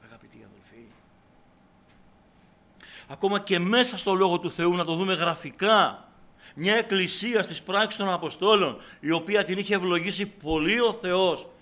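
A man preaching a sermon to a congregation, exhorting them and repeating his calls, swinging from soft, low asides to loud, fervent cries.

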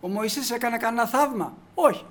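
Very high-voiced male preacher. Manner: emphatic, swings from quiet to loud declarations; addresses the congregation as brothers. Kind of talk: sermon.

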